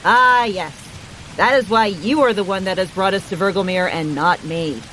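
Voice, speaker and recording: An actress playing a world-weary, evasive underworld dweller in an audio drama, with a dry, sardonic and understated manner. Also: female voice, mid-range voice, moderate pace, fairly bright tone, slight background noise, natural voice, poor audio. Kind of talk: scripted audio drama acting.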